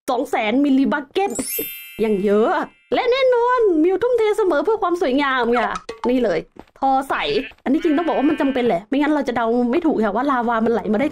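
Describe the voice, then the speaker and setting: A young woman host chatting through her gameplay, exclaiming often and calling herself by name. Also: high-pitched. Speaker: gaming channel host. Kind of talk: Minecraft gameplay commentary.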